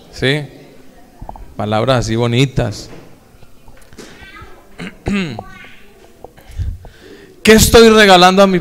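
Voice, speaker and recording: A man's voice: on the high side, fairly bright tone, clear, resonant tone. A male pastor preaching a sermon, talking casually to his congregation and asking them questions. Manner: folksy, addresses the congregation directly with questions. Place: church. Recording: echoey church hall with long reverb.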